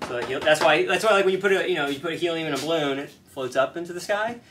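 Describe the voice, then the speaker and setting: A man's voice: on the high side, racing, a bit bright, soft background music. An American man in his thirties explaining science casually and with enthusiasm. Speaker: science presenter. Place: small cluttered workshop, indoors.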